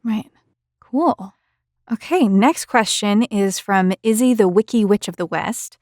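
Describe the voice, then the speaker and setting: A woman hosts an interview in a conversational style, reading out questions and summing up answers. Her medium-pitched voice is recorded dry, with no room sound. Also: a little slow, a little mellow, no room sound. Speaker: interviewer, host.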